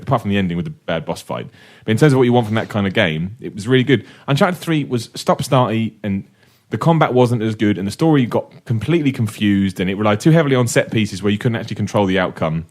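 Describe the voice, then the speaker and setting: A man co-hosting a gaming podcast in casual, opinionated chat. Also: fairly low pitch. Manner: animated, opinionated, quick asides. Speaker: podcast co-host.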